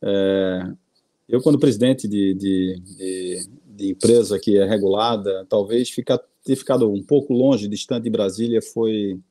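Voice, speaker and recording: A man's voice: on the low side, steady tone, unhurried, warm tone, no echo. A middle-aged Brazilian man on a panel, speaking hesitantly, repeating words and checking in with "tá?". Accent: Brazilian Portuguese. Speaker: investor and board adviser. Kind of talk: panel discussion, conversational.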